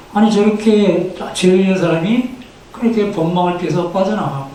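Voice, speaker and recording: A man's voice: on the high side, mellow, distant mic, slight background noise. A male pastor delivering a sermon, asking rhetorical questions and leading the congregation to repeat phrases after him. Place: church sanctuary. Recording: echoey church hall, from the mic.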